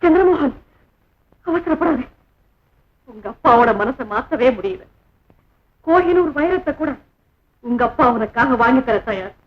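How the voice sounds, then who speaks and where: A woman's voice: sits high, animated, a little slow, pauses often. A pleading, anxious mother. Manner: pleading, grieving. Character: anxious wealthy mother pleading with her son. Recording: dull old film soundtrack with loud music.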